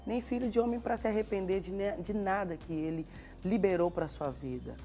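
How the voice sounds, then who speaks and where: A female TV show host from Minas Gerais, Brazil, speaks Brazilian Portuguese with a Mineiro accent while conducting a Christian TV interview. Her mid-range voice is mellow and a little fast, offering affirming, sermon-like encouragement, with faint music behind her.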